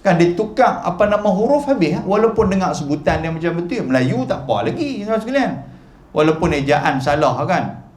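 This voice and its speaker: A man's voice: high-pitched, lively intonation, brisk, darkish tone, roomy sound. A male religious teacher giving a chatty mosque lecture, modelling Arabic letter sounds. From Malaysia. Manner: chatty, demonstrative, repeatedly modelling Arabic pronunciation.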